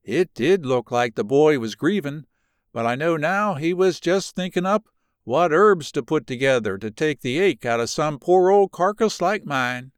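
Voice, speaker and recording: A man's voice: on the high side, expressive, measured pace, smooth, dry recording, clean studio sound. Man voicing a folksy old backwoods neighbor. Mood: relieved. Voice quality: rustic backwoods dialect.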